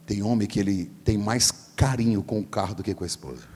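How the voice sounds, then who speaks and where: A man in his forties preaching a storytelling sermon as pastor, animated and acting out the voices in his story. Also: on the low side, fast talker. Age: 40s. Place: large church hall. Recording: long hall reverb.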